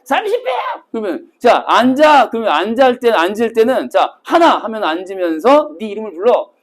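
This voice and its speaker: A man teaching a cram school Korean class, telling stories vividly and acting out scenes with sudden shouts. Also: high-pitched, expressive, normal speed. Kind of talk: classroom lecture to exam retakers.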